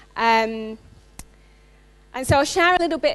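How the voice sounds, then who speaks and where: A woman speaks with a Manchester accent. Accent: Mancunian English, noticeable in Australia. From Manchester, northern England. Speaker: speaking coach, former actress. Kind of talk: workshop presentation. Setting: workshop room with stage and audience. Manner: animated.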